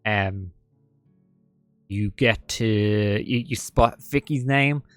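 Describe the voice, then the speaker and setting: A man narrating as game master, talking in a halting way full of fillers and restarts. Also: mid-range voice, fairly bright tone, no echo, faint music behind.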